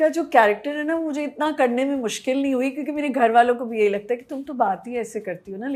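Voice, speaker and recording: A woman with a Punjabi accent talks in a high pitch with ordinary pitch variation, big swings in loudness and hardly any pauses. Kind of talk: casual conversational.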